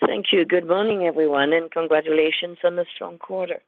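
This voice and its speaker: A woman financial analyst with a creaky voice, politely asking a prepared question on an earnings call. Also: lowish voice, fairly even intonation, a little fast, no echo. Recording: narrowband phone line.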